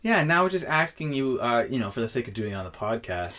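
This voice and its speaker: A man's voice: medium pitch, fast. A young man hosting a podcast, chatting casually and joking with his sister as they swap impressions. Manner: joking, playful, lively delivery. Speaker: podcast host.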